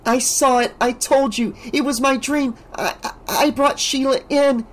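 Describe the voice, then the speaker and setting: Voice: high-pitched, steady tone, a little slow, pitched above the performer's own voice. A reader voicing a frightened, haunted teenage girl who talks tremulously and pleads to be believed. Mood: desperate. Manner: tremulous, whispering.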